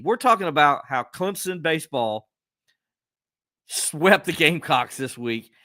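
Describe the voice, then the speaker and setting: Bright, lively sports host. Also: male voice, smooth, no echo, studio quality. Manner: animated, acts out quotes with pitch jumps. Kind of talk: casual sports chat.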